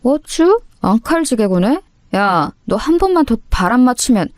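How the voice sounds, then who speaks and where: A swaggering schoolboy thug who snarls threats and sneers at everyone, as a woman narrator puts him on. His voice is pitched a little high for a boy, with faint music behind. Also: very animated, measured pace, darkish tone, no room sound, studio quality. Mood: threatening. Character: menacing teenage boy school bully.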